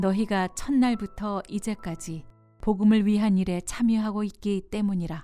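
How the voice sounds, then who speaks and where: A woman's medium-pitched voice at a fairly slow pace, with music in the background. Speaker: announcer. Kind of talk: Bible reading.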